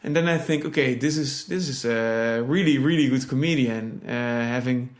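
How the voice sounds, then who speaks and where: A man's voice: mid-range voice, moderate pace. A man hosting a casual interview, asking curious questions and often searching for his words. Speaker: podcast host.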